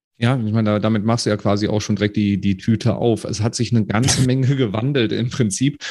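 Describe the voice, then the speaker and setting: A man talks fairly quickly at a fairly low pitch, with hardly any pauses. His tone is dark and mellow, his intonation fairly even, and his loudness very even. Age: 30s. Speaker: marketing agency executive. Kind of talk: interview conversation.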